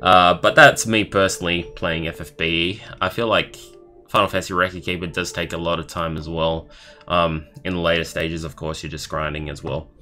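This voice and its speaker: Low-voiced young man streamer, bright tone. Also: level tone. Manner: halting, stumbling over words while reading. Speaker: live streamer. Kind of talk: reading a viewer's story aloud with casual reaction comments. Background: background music.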